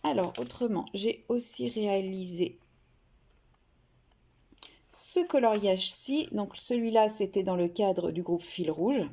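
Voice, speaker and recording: A woman's voice: medium pitch, a little slow, pauses often, dark tone. A woman vlogger casually showing her finished coloring pages, hesitant, with many fillers and restarts. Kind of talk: casual show-and-tell.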